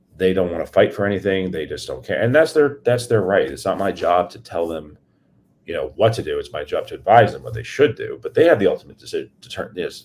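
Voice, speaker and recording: A man talking at a very fast pace with a New Jersey accent. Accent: New Jersey American. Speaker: mergers and acquisitions lawyer. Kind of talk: podcast interview.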